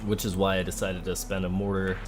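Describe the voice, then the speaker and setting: Male let's play host, lowish voice, conversational and thinking aloud, light music behind. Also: completely flat delivery, brisk. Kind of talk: casual game commentary. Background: game music.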